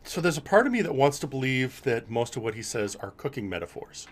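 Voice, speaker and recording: A man hosting and commentating on a wrestling show, speaking haltingly and often repeating his words. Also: medium pitch, very animated. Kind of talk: live sports-entertainment commentary.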